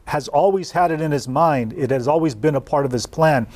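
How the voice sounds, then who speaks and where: A man explaining a Bible passage in a sermon-like way, building points into emphatic rapid-fire lists. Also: fairly high pitch, darkish tone. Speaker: preacher on a panel.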